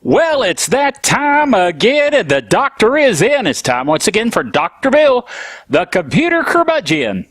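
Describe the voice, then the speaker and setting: Stuffy guy with a cold, grumpy jokey tech host, bouncy pitch, dead dry sound. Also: wildly swooping pitch, unhurried, a bit bright, dry recording. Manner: grumpy, self-mocking humor. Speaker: podcast host. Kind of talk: casual tech show monologue.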